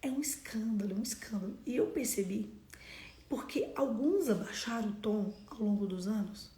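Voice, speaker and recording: A woman with a Brazilian Portuguese accent giving an earnest devotional sermon and prayer, often dropping to a soft whisper for emphasis. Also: on the high side, lively intonation, moderate pace, reverberant, slight background noise. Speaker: preacher.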